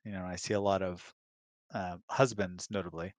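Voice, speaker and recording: A man chatting casually, explaining his views in a measured, reflective way. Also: low-pitched, level tone, dry recording. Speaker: guest, husband of the host. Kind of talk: casual chat.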